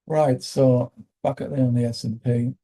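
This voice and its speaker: A British man with a croaky voice, hosting a live day trading session and thinking aloud with halting fillers. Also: mid-range voice, fairly even intonation, dark tone.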